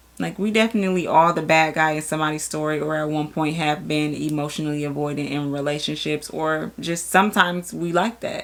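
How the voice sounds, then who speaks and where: Noticeable background noise sits behind a woman with a very deep, low pitch. She uses ordinary pitch variation and hardly any pauses. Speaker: podcast co-host. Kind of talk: casual chat.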